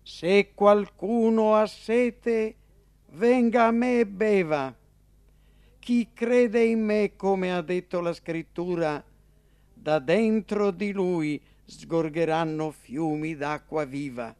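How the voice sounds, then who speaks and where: A man voicing an earnest, impassioned male teacher, declaiming slowly and emphatically. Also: a little high, fairly even intonation, a little mellow, no room sound. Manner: emphatic, declaiming, slow and ringing.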